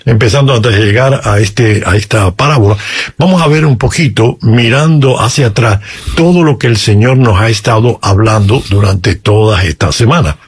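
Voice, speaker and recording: A man's voice: on the low side, moderate pace, breathy edge. A man speaking as a Catholic priest, reading and explaining scripture conversationally and putting questions to his listeners. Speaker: Catholic priest commenting on the Gospel.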